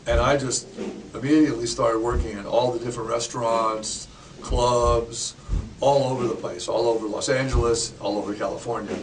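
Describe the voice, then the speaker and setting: Relaxed older drummer, far from the mic. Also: male voice, mid-range voice, normal speed. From Canada. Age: 60s. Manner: relaxed storyteller, sings snippets, jokes. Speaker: drummer and educator. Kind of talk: casual interview talk. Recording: distant mic with clear background noise.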